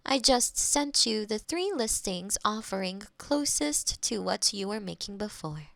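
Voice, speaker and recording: A woman's voice: medium pitch, animated, measured pace, gravelly, a bit bright, no echo. A woman playing a polite AI girlfriend eager to please, speaking in stilted, precise phrases in an intimate close-miked roleplay. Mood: politely helpful. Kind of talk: scripted intimate roleplay audio. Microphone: close binaural microphone.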